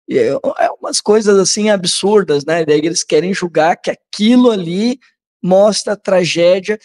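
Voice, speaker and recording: A Brazilian man hosting political commentary, reading aloud and commenting in a halting, conversational way that often seeks the listener's agreement. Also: high-pitched, darkish tone. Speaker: host of a political commentary channel.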